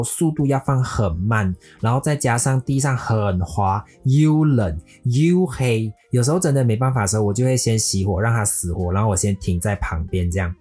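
A man telling a scripted personal story in a lively way, dropping English words into his sentences. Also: mid-range voice, husky. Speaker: storyteller recounting a motorbike trip. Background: faint guitar music.

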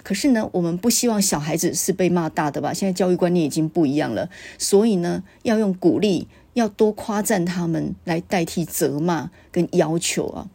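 A woman's voice: on the low side, normal speed, gravelly, few pauses, breathy edge. A middle-aged woman with a Taiwanese Mandarin accent hosting a podcast, telling stories and reflecting on how scolding gets passed down. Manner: storytelling, quoting her father's sharp remarks. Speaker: podcast host. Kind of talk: reflective monologue.

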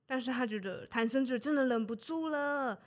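A woman tells an old tale as a podcast co-host. She chats casually, slipping into playful acted voices for the characters. Her voice sits a little high. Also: normal speed. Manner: lively, acts out characters' lines with laughs. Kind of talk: casual storytelling chat.

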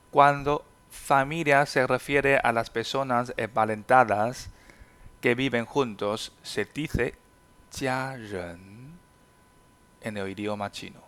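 A male Chinese teacher whose first language is Chinese, giving a podcast language lesson. He talks at a very slow, deliberate pace, spelling out sounds and repeating example sentences with careful enunciation. His voice sits at an ordinary middle pitch. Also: a bit bright.

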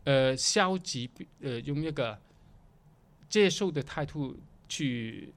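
A man speaks in a medium-pitched voice. He talks casually as a guest, circling back over phrases and restarting often. English words slip into his sentences. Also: animated. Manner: halting, repetitive, mixing English words into Mandarin. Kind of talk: casual conversational interview.

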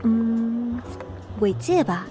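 A woman's voice: on the high side, lively intonation, very slow, over music. An actress with a Taiwanese accent playing a weary, independent young woman in a radio drama, musing to herself. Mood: polite, curious. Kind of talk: radio drama acting, inner monologue.

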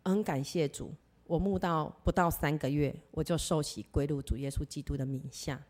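Woman, low voice, telling her faith story, earnest, does the voices of people in it. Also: steady tone, moderate pace, a little mellow. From Taiwan. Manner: earnest storytelling, acts out quoted dialogue. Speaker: church member giving testimony. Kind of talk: personal testimony.

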